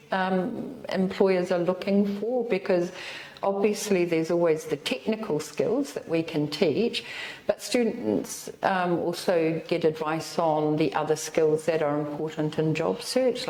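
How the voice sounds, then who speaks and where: A woman with a New Zealand accent answers interview questions in an earnest, friendly way, pausing with frequent fillers. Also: fairly low pitch, dark tone, echoey room, poor audio. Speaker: institute representative.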